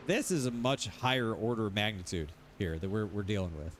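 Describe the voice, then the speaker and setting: A man's voice: fairly low pitch, lively intonation, brisk, noisy background. A man streaming sim racing, ranting casually, rambling and repeating himself, swearing freely. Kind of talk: casual livestream rant.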